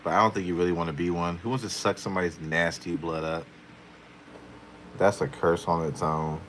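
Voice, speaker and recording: A man's voice: low-pitched, level tone, a little fast, fairly bright tone, slight background noise, poor audio. A man hosting a casual live stream as a tarot reader, playfully answering viewer questions with frequent chuckles.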